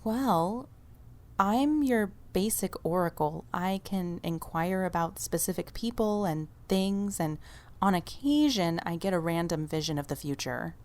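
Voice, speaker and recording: A woman's voice: lowish voice, lively intonation, measured pace, a little mellow. A woman playing a candid, wry adolescent oracle in an audio drama, with a dry, matter-of-fact delivery.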